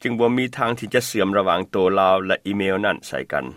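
A man reading a news voice-over in a steady, formal way. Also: sits low, fast, dry recording, clean studio sound. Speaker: news narrator.

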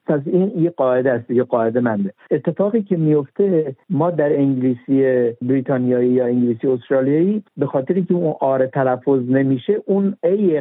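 A man's voice: medium pitch, no room sound. Man, expert guest, patient methodical explainer, spells words out, tinny phone line, dry sound. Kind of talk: explanatory interview talk.

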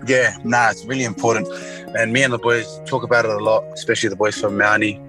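A man's voice: on the low side, little pitch movement, quick pace, over music, rough recording. A man from Western Sydney with an Australian accent, a rugby league player giving a laid-back, plain-spoken interview answer.

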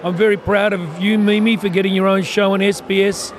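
A man's voice: high voice, level tone, a little fast. An older man speaking effusively at a community festival, interviewed outdoors. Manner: effusive, gushing. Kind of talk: enthusiastic vox pop.

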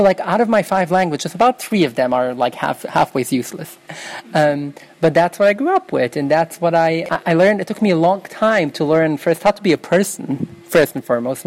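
Fast-talking young woman, native Yiddish speaker. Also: deep voice, darkish tone, rough recording. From New York. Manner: quick, earnest, self-correcting. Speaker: interview guest. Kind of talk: casual interview answers.

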